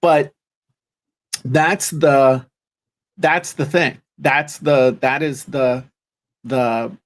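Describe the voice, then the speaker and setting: A man's voice: medium pitch, fairly even intonation, very slow. A man co-hosting a podcast in casual chat, rambling and joking with lots of restarts. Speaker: podcast co-host.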